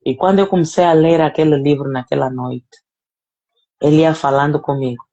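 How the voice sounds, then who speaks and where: A woman's voice: low-pitched, fairly even intonation, fairly quick, dark tone, muffled recording. A woman sharing a personal faith testimony in an earnest, emotional way, speaking directly to the apostle and repeating phrases for emphasis. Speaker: guest giving a testimony.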